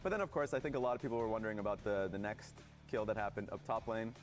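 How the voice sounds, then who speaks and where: A man's voice: on the low side, quick pace, music in the background. A man giving conversational esports match analysis as a broadcast analyst.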